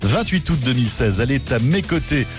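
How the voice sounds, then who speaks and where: A man's voice: mid-range voice, animated, a little fast. A man hosting a live morning radio show, joking and bantering with his guest. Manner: jovial, teasing banter. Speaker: radio host. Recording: radio broadcast with faint music.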